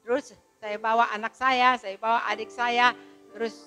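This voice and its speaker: A woman's voice: on the high side, normal speed, soft background music. A woman in her seventies, giving an emotional spoken testimony to a congregation and acting out the people in her story. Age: 70s. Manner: emotional, storytelling, quotes people in lively voices. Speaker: church testimony speaker.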